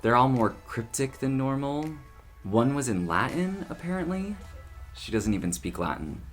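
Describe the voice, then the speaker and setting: A man playing a friendly, easygoing, chatty townsperson in an audio drama, talking in a casual, animated way. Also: mid-range voice, normal speed, soft background music, natural voice. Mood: confiding.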